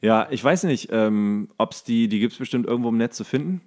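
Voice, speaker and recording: A man's voice: mid-range voice, expressive, a little fast, a little mellow. A man co-hosting a podcast in casual comedic chat, tipsy and tired, rambling and jokey as he goes. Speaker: podcast co-host.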